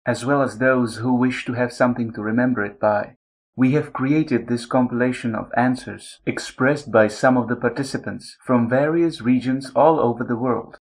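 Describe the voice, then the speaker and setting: A man's voice: medium pitch, breathy edge, rough recording. A man giving a scripted narration that introduces an interview compilation.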